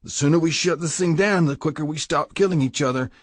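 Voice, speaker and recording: A man voicing an older male biker club president who threatens and commands, husky and menacing. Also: fairly high pitch, quick pace, no echo, voice pushed up, natural voice. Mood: cold pressuring.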